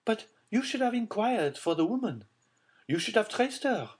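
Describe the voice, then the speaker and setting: A man voicing a frantic, anguished aristocratic mother in an audiobook, in a shrill, pleading tone. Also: sing-song, normal speed, husky, exaggerated voice. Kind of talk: audiobook character voice.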